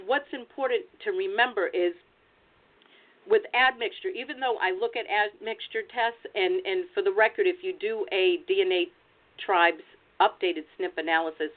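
An American woman presenting as a genealogy researcher, giving practical advice in an explanatory webinar talk over a video call. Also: mid-range voice. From United States. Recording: tinny phone-like online call audio.

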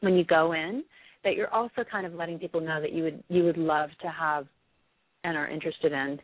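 Hoarse low-voiced woman psychic, phone-thin. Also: steady tone, brisk, dry recording. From United States. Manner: hesitant, many ums, then firm predictions. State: hoarse with a cold. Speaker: psychic reader. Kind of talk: live psychic reading with a caller. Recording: dry, phone-quality sound.

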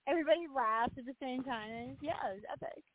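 Higher-voiced woman on a tinny phone line. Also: brisk, no room sound. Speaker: radio show co-host. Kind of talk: casual banter, short reactions.

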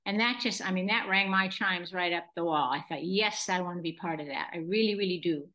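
A woman's voice: lowish voice, brisk, sharp tone. A woman in her eighties from Southern California, a gracious, enthusiastic guest chatting in an interview and laughing easily. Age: 80s. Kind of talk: casual interview chat.

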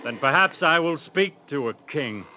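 An actor playing a determined, earnest young sailor who believes the world is round, in the style of old-time radio drama. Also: male voice, a little high, moderate pace, noisy background, close to an everyday voice. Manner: earnest, steady, quietly insistent. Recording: tinny lo-fi recording with organ music.

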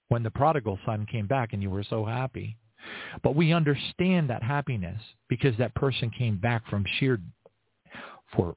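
A man's voice: medium pitch, breathy edge, no room sound. Earnest man praying over a tinny line. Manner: earnest, halting, with frequent restarts. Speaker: prayer leader. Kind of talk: spontaneous spoken prayer. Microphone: online stream. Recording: tinny phone-like line, dry.

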